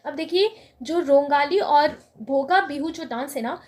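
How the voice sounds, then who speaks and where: A woman with a high, light voice teaches an exam-prep lesson. She talks patiently and step by step, asking the class a question and then answering it herself. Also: darkish tone. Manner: explains slowly, asks and answers her own questions.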